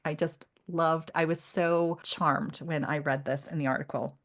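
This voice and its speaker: A woman's voice: low-pitched, steady tone, measured pace, a bit bright. A woman co-hosting a podcast, talking through literature in a casual, reflective and appreciative way. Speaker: podcast co-host.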